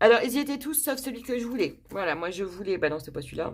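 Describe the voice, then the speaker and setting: A woman's fairly high-pitched voice. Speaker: crafting YouTuber. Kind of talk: product haul show-and-tell. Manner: casual, hesitant with many fillers.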